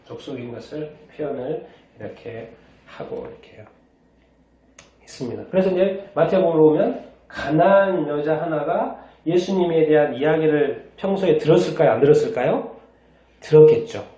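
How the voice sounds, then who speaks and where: Korean pastor preaching in an echoey hall. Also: male voice, on the high side, moderate pace, mellow. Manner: asks the congregation questions and answers them himself. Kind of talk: sermon. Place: church sanctuary. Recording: distant, echoey, dull church recording.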